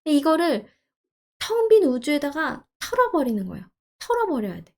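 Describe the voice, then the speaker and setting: A woman giving gentle, soothing advice, speaking softly and letting her phrases trail off quietly. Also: sits high, sing-song, normal speed. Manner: gentle, soothing, acts out inner speech in quotes. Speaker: counselor answering a viewer's question. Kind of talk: advice talk to camera.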